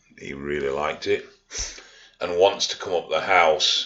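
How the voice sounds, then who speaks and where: A man speaks with a Yorkshire accent. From Yorkshire, northern England. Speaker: fitness vlogger and coach. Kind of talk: casual vlog Q&A. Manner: casual, sweary.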